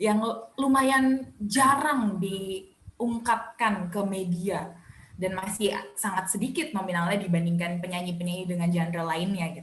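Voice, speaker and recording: A somewhat breathy woman with a slight Jakarta accent speaks at a fairly slow pace and medium pitch, with audible room echo. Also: ordinary pitch variation. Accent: slight Betawi. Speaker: book publisher presenter. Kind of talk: book presentation in live chat.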